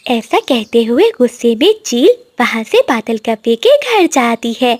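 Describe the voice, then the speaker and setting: A woman narrating a cartoon story in a slow, moral-telling storyteller manner. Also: on the high side, very animated, no room sound.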